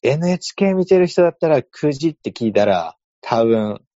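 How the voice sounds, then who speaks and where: Hesitant man, lively pitch. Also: normal speed, no echo, muffled recording. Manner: hesitant, laughs often. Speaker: podcast guest. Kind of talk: casual chat.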